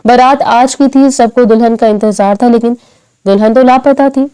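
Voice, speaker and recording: A woman reading a dramatic short story aloud, voicing every character's lines in an even storytelling voice. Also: fairly high pitch, clean tone, no room sound, low-quality recording. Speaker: narrator. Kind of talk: scripted story narration.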